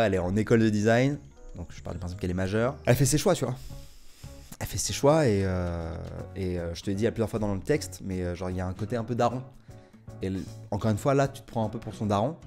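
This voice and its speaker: A man's voice: low voice, a little mellow. A young man hosting his channel, giving casual advice with many fillers and restarts. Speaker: YouTube host. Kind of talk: casual advice talk to viewers.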